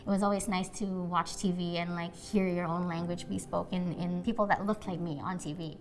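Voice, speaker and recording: A woman's voice: lowish voice, steady tone, a little fast. A woman, a Bisaya speaker, speaking earnestly and thoughtfully as an actress in a documentary interview. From Philippines. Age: 20s.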